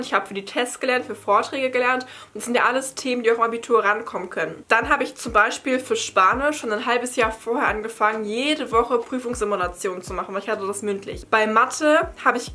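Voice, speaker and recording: A young woman from Berlin speaks in a fairly high, bright voice. She explains things in a chatty, informal way, as a study-advice vlogger would when answering questions to camera at home. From Berlin, Germany. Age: young adult. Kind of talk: casual Q&A chat to camera. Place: bright attic room at home.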